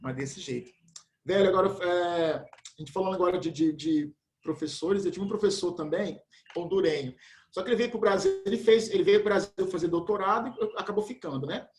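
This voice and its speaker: A man's voice: high-pitched, fairly quick. A man teaching a biology class in a casual, slangy way. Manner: casual, slangy, says "velho" and "pessoal". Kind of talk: remote class, chatty explanation. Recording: echoey room.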